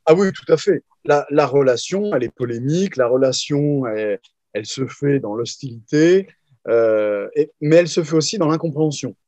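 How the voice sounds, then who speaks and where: A man, a historian guest, explaining at length in an interview with frequent pauses, fillers and restarts. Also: mid-range voice, darkish tone, dry recording, lo-fi sound. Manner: hesitant, many fillers and restarts. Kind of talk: interview answers.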